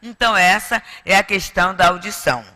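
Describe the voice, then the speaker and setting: Speaking with a Brazilian Portuguese accent in a large spiritist center lecture hall, a woman lectures her audience conversationally, dropping in plenty of tag questions. Her pitch is medium and her tone steady and sharp, and she talks fairly quickly.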